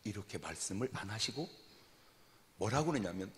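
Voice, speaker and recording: A man preaching a sermon as a pastor, dramatic, dropping to a hush and then shouting. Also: on the low side, expressive, a little fast. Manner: dramatic, shifts from hushed to shouting. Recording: long hall reverb.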